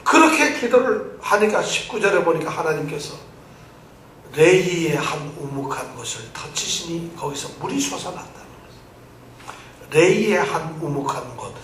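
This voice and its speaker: A male pastor delivers an animated sermon, firing questions at his congregation and repeating phrases until they answer back. His voice sits high for a man. It is picked up by a distant mic in an echoing church sanctuary with faint room ambience behind. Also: unhurried, slight background noise.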